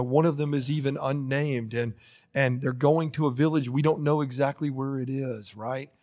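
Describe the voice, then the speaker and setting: An ordinary speaking voice at a moderate pace, with fairly even intonation, on a very clean recording against a silent background. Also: man. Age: 60s. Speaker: pastor. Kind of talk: sermon. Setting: church.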